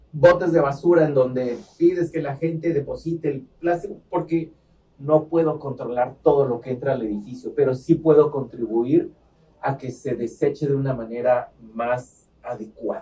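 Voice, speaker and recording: A man's fairly high-pitched, somewhat breathy voice with a dark, mellow tone at a moderate pace. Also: ordinary pitch variation. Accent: Mexican. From Mexico. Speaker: event venue manager. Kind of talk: podcast interview. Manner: animated, conversational.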